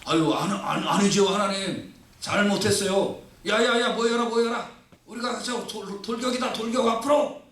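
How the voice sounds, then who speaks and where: A pastor voicing a crowd of stubborn Israelites in a raised, high voice, pleading and blustering, heard from a distance in an echoey church hall. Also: male voice, steady tone, a little fast. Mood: panicked. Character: panicky, stubborn ancient Israelites, men.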